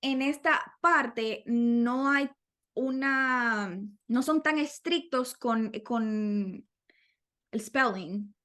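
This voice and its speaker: A woman's voice: on the high side, drawn-out words, fairly bright tone. A woman co-hosting a podcast, adding to exam tips in a conversational way and thinking aloud with many fillers and restarts. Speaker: podcast co-host.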